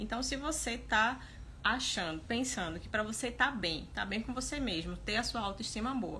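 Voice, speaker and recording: A woman's bright, sharp tone carries vocal fry and lively intonation. She speaks at a moderate pace amid audible room echo. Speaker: self-help coach. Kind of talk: live stream talk. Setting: live stream.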